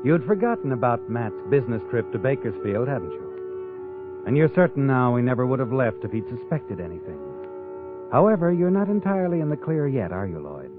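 A man's voice: mid-range voice, sing-song, brisk, natural voice. Through a tinny vintage broadcast, with prominent music behind him, comes a man acting a sly radio-drama narrator. He speaks in an ominous, insinuating manner, needling his listener as if he knows every guilty secret. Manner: insinuating, taunting tag questions. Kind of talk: 1940s radio drama narration in second person.

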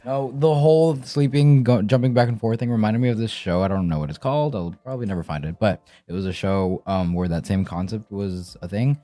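A man's voice: lowish voice, brisk, hardly any pauses, dark tone, no room sound. A man chatting casually as a podcast co-host, conversational and often checking that listeners follow. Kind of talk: casual chat.

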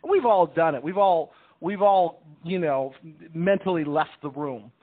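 A man's voice: a little high, lively intonation, a little slow. A man explaining things in a casual radio interview, talkative, often repeating words and restarting his sentences. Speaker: stage hypnotist, interview guest. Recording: tinny phone-like line.

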